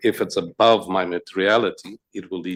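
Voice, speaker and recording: At a moderate pace, a man talks with a non-native accent. His pitch is fairly low and his intonation fairly even. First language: not English. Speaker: auditor. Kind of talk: committee meeting discussion.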